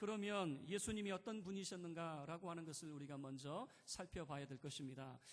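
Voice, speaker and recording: A high-pitched man at a fairly quick pace, with ordinary pitch variation and hardly any pauses. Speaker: pastor. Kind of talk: sermon. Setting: church. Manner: loud and forceful when preaching.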